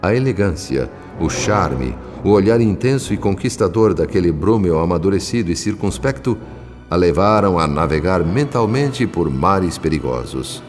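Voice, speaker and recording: A man with a Brazilian accent narrating a radio drama in a measured, literary and suspenseful way. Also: sits low, lively intonation. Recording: long hall reverb, music underneath.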